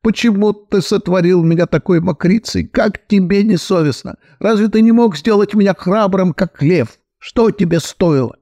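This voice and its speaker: A man's voice: high-pitched, moderate pace, hardly any pauses, dark tone, no room sound, voice pushed up. A man voicing a plump, tearful young man who wails and sobs out self-pitying complaints. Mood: wailing. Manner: wailing, sobbing complaints.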